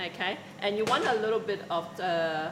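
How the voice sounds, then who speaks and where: Ordinary pitch variation marks a woman speaking with a strong Australian accent. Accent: broad Australian. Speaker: cooking host. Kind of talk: cooking demonstration talk to camera. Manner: casual, chatty.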